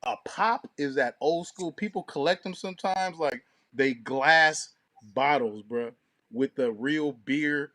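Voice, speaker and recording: A man's voice: fairly high pitch, slow, bright, forceful tone, no room sound. A man co-hosting a podcast in casual, profane, slang-heavy talk, often acting out what people said. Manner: slangy and profane, acts out quotes. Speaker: podcast co-host. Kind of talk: casual chat.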